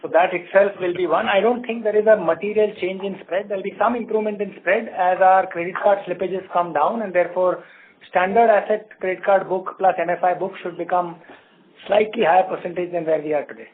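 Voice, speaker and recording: A man, a bank executive giving measured, numbers-focused answers on an earnings call. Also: sits high, steady tone, phone-quality sound. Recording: telephone conference line.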